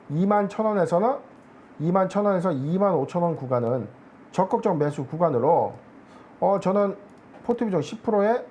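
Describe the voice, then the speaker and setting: A man speaking as an analyst guest on a stock market show, explaining in a measured way with many filler words. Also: high voice, darkish tone, a little hiss or hum.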